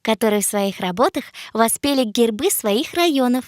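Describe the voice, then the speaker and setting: Woman playing a high-voiced curious cartoon girl. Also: animated, moderate pace, dry recording, clean studio sound, natural voice. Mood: curious, eager. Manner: inquisitive, eager. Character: curious, dreamy girl cartoon guide who loves legends. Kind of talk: children's educational cartoon acting.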